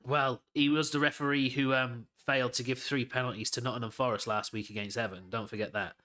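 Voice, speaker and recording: Hosting a live football watchalong, a man calls the action and rants with heavy swearing. His mid-range voice is sharp and quick, and his intonation stays fairly even.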